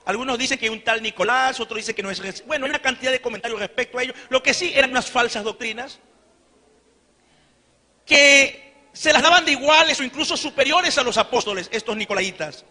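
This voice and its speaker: A pastor preaching a sermon, emphatic, asking rhetorical questions and rising to shouts. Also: male voice, very high voice, fairly quick. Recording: long reverberant hall.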